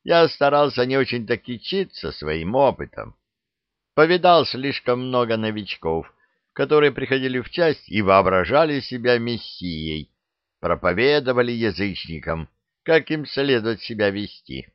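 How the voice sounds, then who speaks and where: A man's voice: medium pitch, very animated, a little slow, clean tone, no echo, highs cut off. A man reading the part of an older veteran soldier with a dry, blunt, self-deprecating way of talking. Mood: wry. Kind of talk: audiobook character reading.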